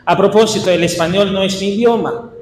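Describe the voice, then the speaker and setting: A man with an Italian accent, a Franciscan priest leading a workshop for catechists, speaking in an unhurried, halting way with small restarts. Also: high-pitched, slight background noise. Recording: echoey hall with faint ambience.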